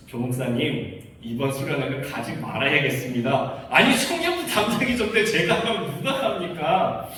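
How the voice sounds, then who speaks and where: A man's voice: high-pitched, fairly bright tone. A man in his thirties, a pastor telling a personal story in a sermon with wry laughs. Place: church sanctuary. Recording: echoey church hall, distant mic, faint hiss.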